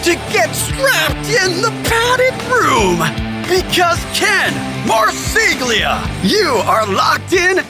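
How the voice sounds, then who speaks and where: A male podcast announcer gives a theatrical scripted intro. His pitch swings widely and he takes his time, over clearly audible music. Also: big pitch swings, takes it slowly. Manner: dramatic, exaggerated delivery. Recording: loud music bed behind voice.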